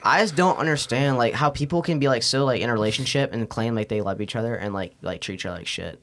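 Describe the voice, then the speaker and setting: A man's voice: medium pitch, quick pace, a bit bright. A young man chatting casually on a podcast like a frat bro, slangy and full of swearing. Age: young adult. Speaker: podcast host.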